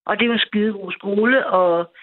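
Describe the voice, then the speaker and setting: A woman in her fifties calling in, rambling through a personal story and repeating herself a lot. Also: mid-range voice. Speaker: caller. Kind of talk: personal storytelling on a call-in show. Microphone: telephone. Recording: tinny phone line.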